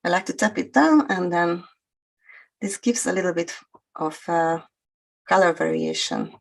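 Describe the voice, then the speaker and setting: A woman from Hungary, speaking English with a Hungarian accent, calmly demonstrating a craft technique with frequent hesitations. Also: fairly low pitch, creaky. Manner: hesitant, many fillers, explains steps slowly. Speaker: guest crafter.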